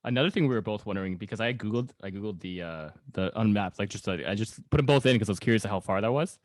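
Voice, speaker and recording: A man's voice: fairly low pitch, quick pace, no room sound. A man co-hosting a podcast, asking casual, rambling questions in an informal way. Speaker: podcast co-host. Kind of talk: casual conversational interviewing.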